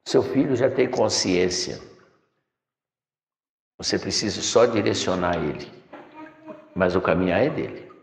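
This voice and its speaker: With a deep, gravelly voice, a middle-aged spiritual teacher speaks animatedly and without hurry, leaving long pauses. He preaches from a chair in a decorated room, calling listeners "my son," recorded by a distant camera in an echoey room with long reverb.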